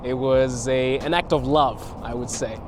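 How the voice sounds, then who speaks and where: A man's voice: mid-range voice, steady tone, normal speed, background noise. A man from Botswana, a guest content creator, answering interview questions outdoors in a reflective way and laughing between thoughts. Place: outdoors in a city park.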